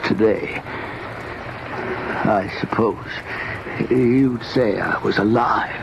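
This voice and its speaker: A tormented older man in an old radio horror play. His voice is gravelly and creaky, his words halting and repeated. The recording is dull and heavily covered in noise. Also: on the low side, full character voice. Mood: weary, brooding. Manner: halting, repetitive, dramatic.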